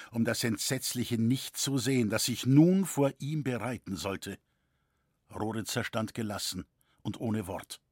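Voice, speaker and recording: A male audiobook reader tells the story in a measured way. His middle-pitched voice is slightly husky. The sound is dry and close. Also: no echo. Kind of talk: audiobook reading.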